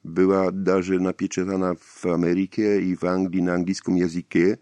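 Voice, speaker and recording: Polish-accented guy in his 50s, real low voice, lots of ums and false starts. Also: little pitch movement, normal speed, dark tone. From Poland. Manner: hesitant, many fillers and restarts. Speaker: interview guest, writer. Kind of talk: radio interview answers.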